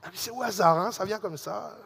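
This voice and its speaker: A man preaching a sermon as a pastor, telling a personal story in a lively way and speaking directly to the congregation. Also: high-pitched, a little fast, creaky, husky, in a large hall. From Alsace and Réunion. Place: church hall.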